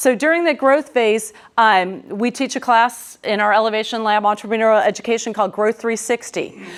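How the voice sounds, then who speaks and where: On a very clean recording with a silent background, a woman speaks at a fairly quick pace with hardly any pauses, fairly high pitch, and ordinary pitch variation. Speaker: business development consultant. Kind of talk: presentation to business audience. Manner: fast.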